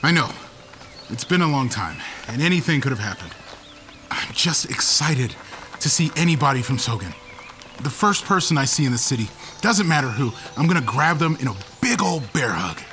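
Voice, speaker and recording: An actor playing an excitable, homesick man returning to his home planet in an audio drama, exuberant and irreverent. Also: medium pitch, normal speed, a little hiss or hum. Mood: excited.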